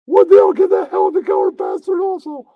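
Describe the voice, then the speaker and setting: A man's voice: extremely high pitch, wildly swooping pitch, normal speed, no echo, phone-quality sound, voice pushed up, exaggerated voice. A man voicing a gleeful, mischievous TV-host puppet that gloats and taunts with chanted catchphrases in amateur comedy.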